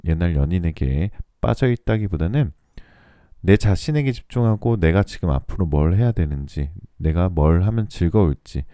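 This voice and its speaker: A man reading tarot for listeners in a soothing, polite, measured radio-like style, his voice still recovering from a throat cold. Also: sits low, dark tone, no room sound, studio quality. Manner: soothing, polite, measured delivery meant to lull listeners to sleep. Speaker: tarot reader and channel host.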